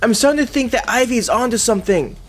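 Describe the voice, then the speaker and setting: A man's voice: extremely high pitch, fast talker, fairly bright tone, pitched above the performer's own voice. A man voicing a young woman warrior who yelps in a raised voice. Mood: alarmed. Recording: music playing underneath.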